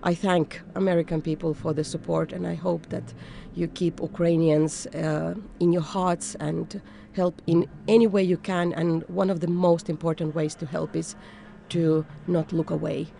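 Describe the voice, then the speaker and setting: Conductor woman raised in Finland, earnest interview answers, gravelly edge, halting phrasing. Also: lowish voice, flat delivery, warm tone. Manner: earnest, searching for words with restarts.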